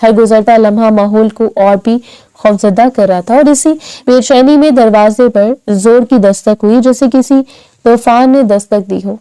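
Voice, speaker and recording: Smooth, dark-toned woman narrating a story. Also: on the high side, dry recording, low-quality recording. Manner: even storytelling voice reading all characters' lines.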